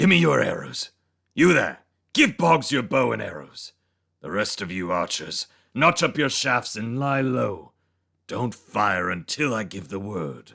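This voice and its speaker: A man puts on a raspy character voice, fairly low in pitch with very wide pitch swings. He goes at a fairly slow pace on a very clean recording with a silent background. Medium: read story. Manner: harsh, barking orders.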